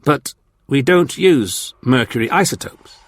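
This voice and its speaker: A man's voice: mid-range voice, animated, measured pace, no room sound, pitched above the performer's own voice. A man voicing a nervous but dignified male facility leader, earnest and insistent.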